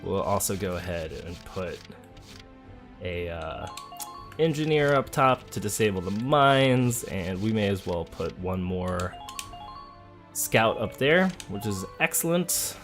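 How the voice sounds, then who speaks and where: A man giving relaxed, chatty gameplay commentary as a let's play host, thinking aloud as he goes. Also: low-pitched, slow. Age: adult, parent of a school-age child. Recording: game music behind the voice. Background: video game music.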